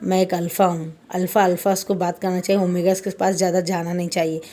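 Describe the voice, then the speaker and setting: A woman voicing a calm, stern young male student who guards his friend, in a retold fan-fiction story. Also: fairly low pitch, brisk, lightly acted.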